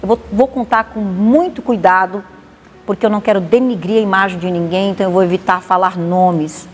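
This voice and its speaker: Woman, Bahian accent, pastor, animated testimony, reverberant hall, faint hiss. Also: mid-range voice, fairly quick. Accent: Bahian Portuguese. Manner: animated, acts out dialogue. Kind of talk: testimony storytelling. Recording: long reverb, faint noise.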